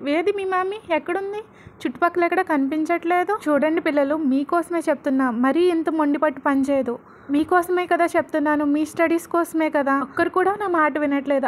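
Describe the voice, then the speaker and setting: A woman's voice: extremely high pitch, a little hiss or hum, voice pushed up. Woman doing an indignant young wife. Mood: scolding. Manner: pleading, indignant. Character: young woman Diya, defiant wife and stepmother.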